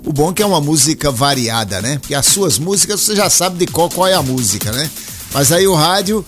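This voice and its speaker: A man's voice: a little high, lively intonation, brisk, fairly bright tone, faint music behind. Chatty radio host, man. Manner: chatty, lilting, tags lines with "né?". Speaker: radio sports and call-in show host. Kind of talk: casual radio chat and sports commentary.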